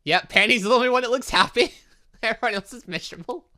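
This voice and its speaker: A man's voice: very high voice, fast, sharp tone. A man hosting a gaming channel, giving let's play commentary on a visual novel with dramatic, exclaiming reactions.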